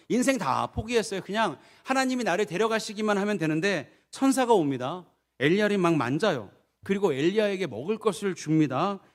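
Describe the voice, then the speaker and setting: Male pastor, middle-aged, high-pitched, preaching in a reverberant sanctuary. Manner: preaching with dramatic voiced prayers, dropping low and soft for quoted laments. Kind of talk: sermon. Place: church sanctuary. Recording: long church reverb.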